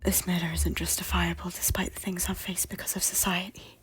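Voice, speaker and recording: A woman playing a guilt-ridden noblewoman in an audio drama, pleading earnestly in formal, theatrical phrases with a breathy, husky voice. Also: lowish voice, little pitch movement, a little fast, a bit bright, no room sound, in a whisper, poor audio. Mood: remorseful confession. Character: guilt-ridden, repentant noblewoman and former schemer, earnestly hopeful. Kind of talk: audio drama acting of a Shakespeare-style story.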